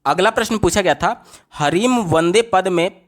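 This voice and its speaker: Male exam tutor, raised pitch, voice-over walkthrough that repeats each answer. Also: a little slow. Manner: asks and answers his own questions, repeats answers.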